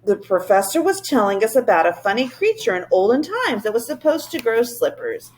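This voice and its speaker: A woman voicing a thoughtful young boy who speaks slowly and picks his words with care. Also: fairly high pitch, big pitch swings, a little mellow, slight background noise, low-quality recording. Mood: earnest.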